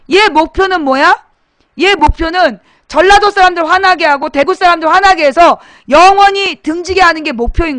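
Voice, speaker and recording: A woman's voice: very high-pitched, fairly bright tone, dry recording, clean studio sound. A woman hosting a political talk webcast, talking bluntly and emphatically to her live chat audience and firing rhetorical questions at them.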